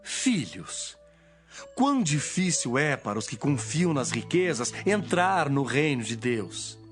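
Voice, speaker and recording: A man's voice: mid-range voice, sing-song, slow pace. Casting: male actor as a solemn, firm holy teacher for a Bible audio drama, widely varied intonation, music behind. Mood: earnest, solemn.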